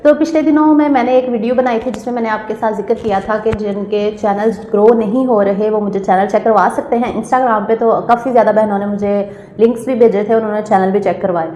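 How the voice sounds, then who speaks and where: A woman vlogger with a slightly hoarse throat, chatting casually to viewers in a small store room and repeating her points. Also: mid-range voice, fairly even intonation, fast, warm tone, slight background noise. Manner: chatty, repeats phrases, addresses viewers directly. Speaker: vlogger giving channel tips. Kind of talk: casual vlog talk.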